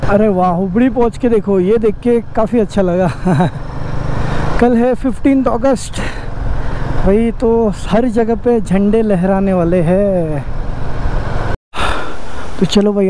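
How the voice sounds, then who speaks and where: The high-voiced man you would hear in a bike-trip vlog, chattering from inside a helmet over the roar of the highway. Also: slow pace. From western India. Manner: informal, exclamatory, mixes in English words. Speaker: motorcycle travel vlogger. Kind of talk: casual chat to viewers while riding. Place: outdoors on a moving motorcycle. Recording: loud wind and road noise.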